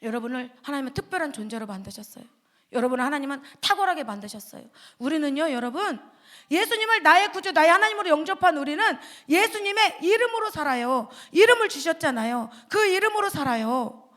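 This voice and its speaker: A woman giving a lively children's sermon as a pastor's wife, asking the children questions and acting out the voices of the people in her story. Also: high-pitched, a little fast. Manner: animated, asks the children questions; acts out voices of the devil, children and God. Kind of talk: children's sermon with acted dialogue.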